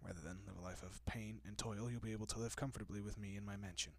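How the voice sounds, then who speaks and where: A man plays a courteous vampire gentleman in an intimate audio roleplay. His voice is low and husky, slipping often into whispers, captured very dry. He soothes and reassures with polite, old-fashioned tenderness and a quietly possessive air. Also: fairly even intonation, quick pace, no echo. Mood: calm, apologetic. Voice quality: soft, breathy, often dropping to a whisper.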